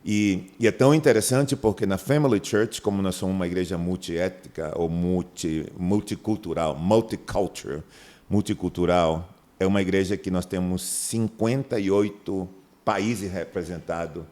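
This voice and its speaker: A deep-voiced, middle-aged man from Manaus, Brazil, speaks at a moderate pace as a pastor being interviewed on a podcast. He's an animated storyteller who acts out dialogue in a raised voice.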